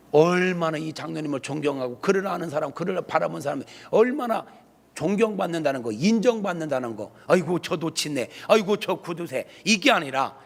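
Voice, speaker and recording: Male senior pastor, raspy and gravelly, very lively animated sermon delivery, long church reverb. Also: fairly high pitch. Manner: animated storytelling, acting out quoted phone calls. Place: church sanctuary.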